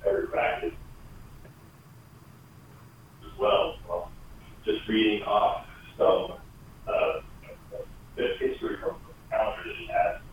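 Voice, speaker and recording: A man on speakerphone from across the room, calling in as a sports reporter and explaining things in a measured way. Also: lowish voice, flat delivery, heavy reverb, slight background noise. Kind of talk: phone-in radio interview. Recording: tinny phone line, distant and faint.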